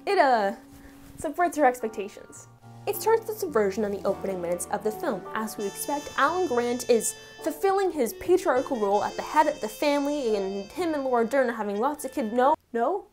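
A woman's voice: a little high, lively intonation, a little fast, music in the background. A woman narrating a film commentary video essay in a wry, sarcastic manner.

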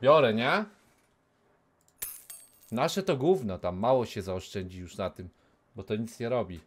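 A man in his thirties streaming a game from a small room on a headset mic, talking casually, cursing and yelling at the game, sometimes dropping to a whisper. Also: on the low side, unhurried. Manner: excitable, swears, yells at the game, then drops to a whisper. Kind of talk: casual live gameplay commentary.

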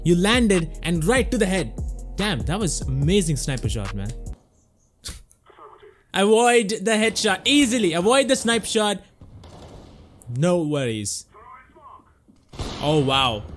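Expressive high-pitched young Indian-accented man. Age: 20s. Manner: expressive, exclaiming, often chuckling. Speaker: host of a gaming clip showcase. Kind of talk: casual reaction commentary on game clips. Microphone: close desktop condenser microphone with headset on.

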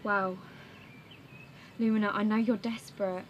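A young woman playing a supportive, gently cautious friend in a short fantasy film, earnest and reassuring. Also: medium pitch, flat delivery, unhurried, lo-fi sound, a little hiss or hum, lightly acted. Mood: concerned. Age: young adult.

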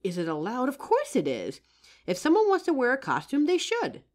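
Here a woman voice actor, high-voiced, takes on the role of a curious and friendly psychic helping in a costume shop. Addressing the listener directly in one half of an audio-drama chat, she's encouraging and chatty, pausing often and laughing softly.

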